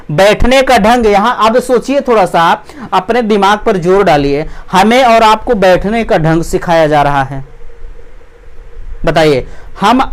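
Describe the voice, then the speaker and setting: Teacher. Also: male voice, high-pitched. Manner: rhetorical questions, repeats points, reads list items slowly. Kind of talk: online exam-prep lecture. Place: teaching room with a marker board.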